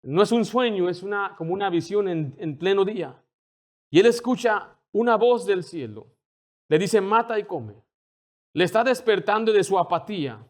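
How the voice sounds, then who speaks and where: A man with a high-pitched voice delivers a sermon as a pastor. He builds in intensity as he goes and slips into the voices of the people he quotes. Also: lively intonation, moderate pace. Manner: preaching with rising intensity, acting out quoted dialogue.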